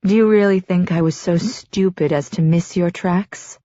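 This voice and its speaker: A woman's voice: fairly low pitch, fairly even intonation, normal speed, mellow, dry recording, lo-fi sound, lightly acted. A woman voicing a scheming, cruel queen mother who talks in a scornful, cutting way.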